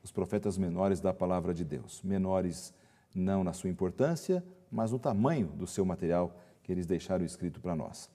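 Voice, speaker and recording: A man's voice: sits low, normal speed, warm tone. A man with a Brazilian accent hosting a Bible talk program, speaking in an affirming, conversational presenter's manner. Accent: Brazilian Portuguese. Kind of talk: religious talk show discussion.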